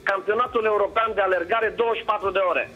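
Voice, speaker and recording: A man's voice: high voice, fairly even intonation, soft background music. Bantering man on a dull phone line. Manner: bantering, teasing, chatty. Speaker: senior sports journalist calling in. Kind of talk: joking phone chat on morning show.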